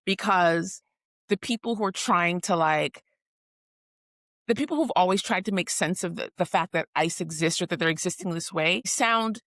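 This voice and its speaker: A woman's voice: on the low side, moderate pace, fairly bright tone, dry recording, clean studio sound. A woman co-hosting a podcast, speaking casually and indignantly, tripping over repeated words. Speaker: podcast co-host. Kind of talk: casual conversational podcast chat.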